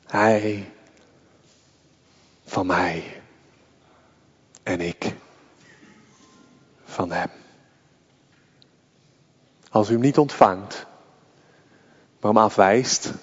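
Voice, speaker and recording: A man preaching a sermon to his congregation, slow and solemn, rising at times into fervent emphasis. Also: on the low side, husky. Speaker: pastor. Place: church. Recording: long church reverb, dull sound.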